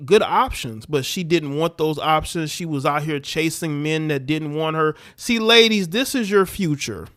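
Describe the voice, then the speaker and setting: A man's voice: on the high side, a bit bright. A male livestream host rants bluntly about the clips he plays. His tone is scornful and lecturing, and his voice sits a little above the usual male range. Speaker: livestream commentator. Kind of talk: livestream reaction commentary.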